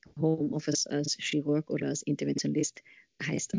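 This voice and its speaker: Recorded dry and close with no echo, a woman speaks at a moderate pace in a very deep, low voice with vocal fry and a dark, mellow tone. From Netherlands, Rotterdam. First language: Dutch (speaking German). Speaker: neurosurgeon. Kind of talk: casual interview chat. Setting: video call.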